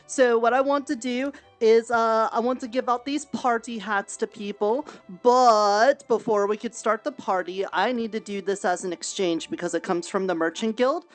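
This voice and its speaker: A woman's voice: a little high, moderate pace, hardly any pauses, faint music behind. Chatty woman roleplaying a merchant. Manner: chatty, bubbly, trailing fillers. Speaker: merchant guild character in a roleplay. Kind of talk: in-character roleplay chat.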